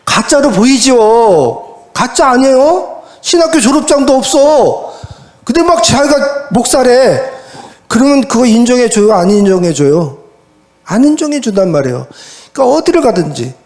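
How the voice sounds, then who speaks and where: A male pastor preaching a sermon at a church service in a lively, colloquial way, often asking the congregation rhetorical questions. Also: extremely high pitch, normal speed.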